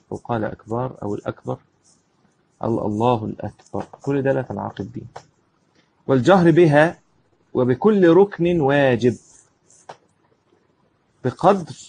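This man, speaking with an Egyptian Arabic accent, lectures on Islamic law by reading a line from a classical book and explaining it in everyday speech. His voice is a little high, darkish and husky, with vocal fry. He often asks a question and answers it himself.

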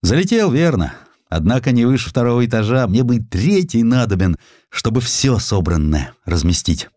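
A man's voice: mid-range voice, very animated, moderate pace, darkish tone, dry recording, clean studio sound. A man voicing a proud, easily aggrieved provincial merchant in an audio drama, with folksy, ceremonious old-fashioned speech. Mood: matter-of-fact.

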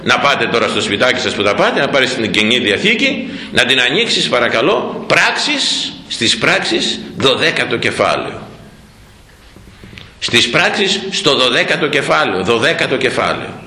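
A male preacher delivers a sermon in an animated storytelling way, his voice swooping up and down as he talks to the listeners. His tone is bright and fairly high, and the sound is echoey and roomy. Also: slight background noise. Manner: animated storytelling, addressing the congregation.

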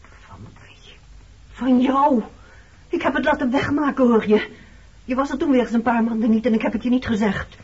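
Radio drama role: wounded former lover, very breathy and husky, accusing, on a dull old recording. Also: female voice, on the high side, normal speed. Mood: hurt confession. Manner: hurt, accusing. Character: wounded, resentful woman confronting her former lover. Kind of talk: Dutch radio play acting.

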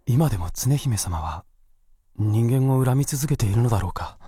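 A man's voice: medium pitch, animated, moderate pace, dark tone, slightly rough, no echo, clean studio sound. An actor playing a centuries-old male white fox spirit guarding a mountain, musing and solemn in a radio drama. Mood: musing, watchful.

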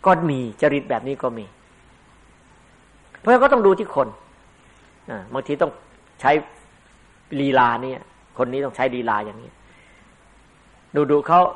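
An older man giving a Buddhist dharma sermon in a conversational way, rising into emphatic bursts. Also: mid-range voice. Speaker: Buddhist monk teacher.

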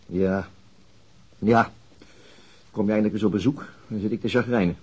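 A man's voice: lowish voice, steady tone, normal speed, breathy edge. An actor playing a gloomy, bitter middle-aged chief inspector and father in a radio drama, blunt and sardonic. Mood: weary, subdued. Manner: grumbling, sardonic, blunt and coarse. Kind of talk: naturalistic radio drama acting.

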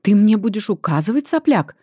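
A woman's voice: medium pitch, unhurried, mellow, no room sound, studio quality, natural voice. A woman reading an audiobook, voicing a hysterical middle-aged mother who screeches accusations in a trembling voice. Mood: shrill outrage.

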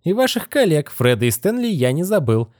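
A man's voice: fairly high pitch, sing-song, brisk, darkish tone, no echo, clean studio sound, pitched above the performer's own voice. A man voicing a vain, cold young male magician in a haughty, condescending manner. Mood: coldly threatening. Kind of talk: audiobook character reading.

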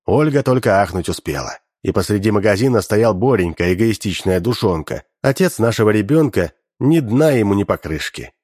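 A man reading a story aloud in a wry, expressive way, close to a studio mic. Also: on the low side, normal speed, hardly any pauses, no echo. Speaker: audiobook narrator. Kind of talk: expressive scripted story narration.

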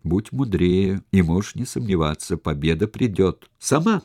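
A shrewd, patient plotter, voiced by a man reading a novel talks his allies down in a measured, persuasive way. His voice is low and mellow, recorded close and dry. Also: animated, dry recording. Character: shrewd, cautious male conspirator, calm schemer. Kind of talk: audiobook character reading.

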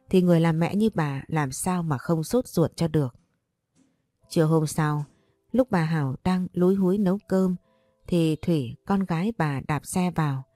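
A woman's voice: on the low side, warm tone, dry recording. A woman narrating a family drama story aloud, voicing its quarrelling relatives herself.

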